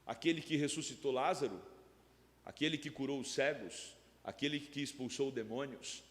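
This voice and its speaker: A man's voice: medium pitch, normal speed, fairly bright tone. A man with a Brazilian Portuguese accent preaching a sermon as pastor, emphatic and full of rhetorical questions. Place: church sanctuary. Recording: long church reverb.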